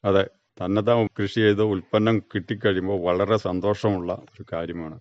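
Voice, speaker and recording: A man's voice: sits low, steady tone, a little fast, darkish tone, no echo. A man, giving plain, brief, factual answers in an interview as a retired farmer. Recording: dull, muffled radio recording.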